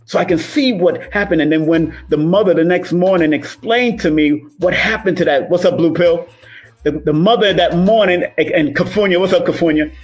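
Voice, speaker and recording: Soft music plays behind a high-pitched man speaking at a moderate pace. He's a numerologist of Cuban and Jamaican background, livestreaming a casual, motivational talk to viewers, repeating himself emphatically and rolling his R's.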